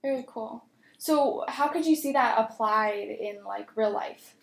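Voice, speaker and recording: A woman's voice: a little high, measured pace, creaky. A woman hosting an interview, asking short questions and giving brief affirmations. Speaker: interview host. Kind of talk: hosted interview.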